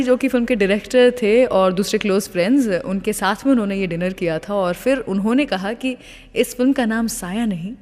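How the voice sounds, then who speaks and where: A woman's voice: medium pitch, darkish tone, big-room sound. A woman hosting a classic-music radio show, chatting and telling anecdotes between songs, slipping English phrases into Hindi. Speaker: radio host.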